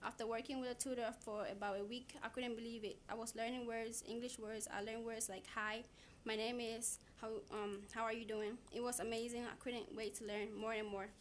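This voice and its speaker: A woman's voice: on the high side, flat delivery, fairly quick, slight background noise. A teenage girl from Somalia, giving an earnest prepared speech as a student speaker, sometimes repeating herself when stuck. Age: teens. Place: city hall chamber.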